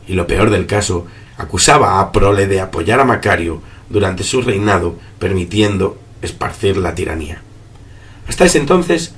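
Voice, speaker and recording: A man acting as a besieged resistance fighter chronicles a war after the fall of civilization. His voice sits fairly low. He narrates in a grave, measured radio drama style, solemn and full of foreboding.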